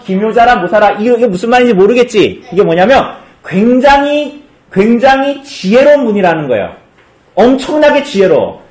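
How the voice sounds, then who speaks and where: A male pastor giving a children's sermon, asking the kids questions and answering them in a lively way. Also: sits high, moderate pace, echoey room. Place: church.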